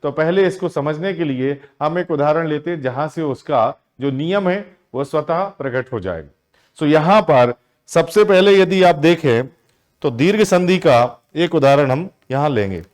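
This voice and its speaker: A man's voice: fairly high pitch, expressive, a little mellow. A man teaching an exam-prep grammar lesson, often asking his students a question and answering it himself. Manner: asks the class questions and answers them himself, drawn-out words.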